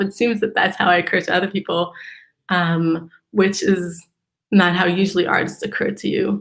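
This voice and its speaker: Here a woman talks in an Israeli accent. Her intonation is monotone and flat. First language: Hebrew. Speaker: PhD researcher and mental health advocate. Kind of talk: interview. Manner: hesitant, many fillers.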